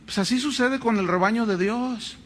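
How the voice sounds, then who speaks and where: A Mexican man preaching a sermon as pastor, with animated, dramatic storytelling. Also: extremely high pitch, normal speed, a little hiss or hum.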